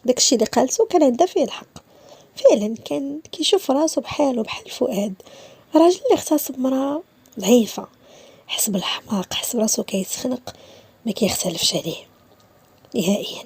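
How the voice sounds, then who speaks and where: A woman's voice: sits high, expressive, fast, a little mellow, slightly rough, no room sound. A woman with a Moroccan accent narrating a dramatic story, dipping into whispers at tense moments.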